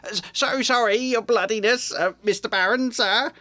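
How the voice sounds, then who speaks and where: A man voicing a mischievous male poltergeist in a high, wheedling, greasy voice. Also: very animated, a little slow, a bit bright, no room sound, full character voice.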